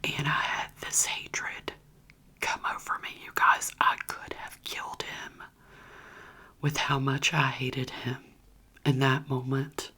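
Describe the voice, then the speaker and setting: A woman's voice: a bass voice, little pitch movement, slow, bright, forceful tone, slightly rough. A woman whispering a candid personal story straight to her viewers in a chatty, conversational way. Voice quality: whispering throughout.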